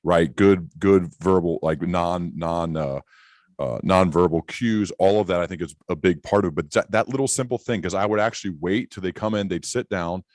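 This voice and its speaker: A man with a low voice hosts a podcast. He shares anecdotes in a casual, conversational style. The recording is dry, with hardly any room sound. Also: moderate pace, darkish tone, no room sound. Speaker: podcast host.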